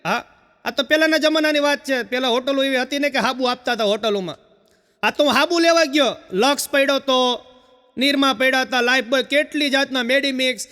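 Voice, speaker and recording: A man telling stand-up jokes, a chatty storyteller who peppers his talk with quick "haa" fillers. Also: extremely high pitch, sharp tone, long reverb tail. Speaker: stand-up comedian.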